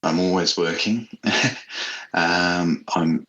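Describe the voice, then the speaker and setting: Very deep-voiced man as interview guest. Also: steady tone, takes it slowly, pushed and bright, muffled recording. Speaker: writer, podcast guest. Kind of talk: casual interview chat.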